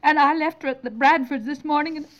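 Aktorka grająca przepraszającą, zatroskaną sąsiadkę i matkę w komediowym słuchowisku radiowym z lat 50. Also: female voice, high-pitched, fast talker, lightly acted. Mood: frantic. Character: apologetic, anxious, fretful neighbor housewife and mother. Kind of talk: 1950s radio comedy acting. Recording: dull 1950s radio recording.

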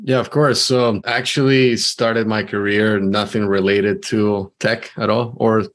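A man's voice: fairly low pitch, flat delivery, measured pace. A man from Venezuela, a sales leader, talking casually as an interview guest with frequent restarts.

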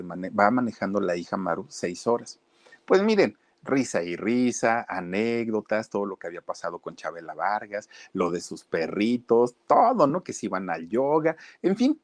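Man, lowish voice, relaxed storytelling host, dry close sound. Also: no room sound. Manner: chatty, addresses listeners directly, acts out quotes. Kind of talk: casual anecdotal storytelling.

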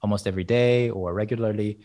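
This is a man with a low voice whose first language is Korean. He speaks English in a relaxed interview and explains ideas thoughtfully, reaching for everyday analogies. He laughs lightly now and then. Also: fast talker. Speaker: guest, Korean language teacher. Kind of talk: casual conversational interview.

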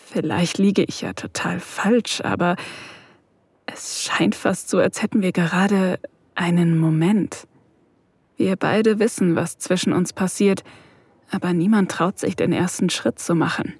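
A woman's voice: lowish voice, unhurried, darkish tone, breathy edge, no echo. A woman voicing a shy, flustered young woman researcher, narrating her thoughts hesitantly and in half-whispers in an intimate audio drama.

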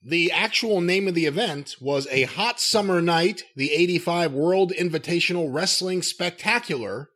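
A man's voice: sits high, moderate pace, hardly any pauses, pushed and bright. A man co-hosting a wrestling podcast, factual and reading details from his notes. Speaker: podcast co-host. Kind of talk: casual wrestling podcast chat.

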